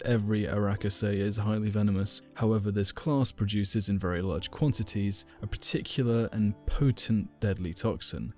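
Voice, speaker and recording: A man's voice: fairly low pitch, darkish tone. A man narrating a video game lore explainer in a casual way, adding dry joking asides. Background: faint game soundtrack music.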